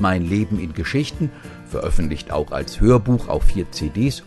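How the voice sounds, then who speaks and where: A man's voice: sits low, darkish tone. A man presenting a radio tribute with scripted, announcing delivery. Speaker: radio host.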